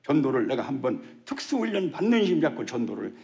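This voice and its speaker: An older man gives a testimony sermon as a church elder, talking quickly. His pitch leaps up and down as he acts out the dialogue in his story, which keeps the storytelling animated. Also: creaky. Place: church service.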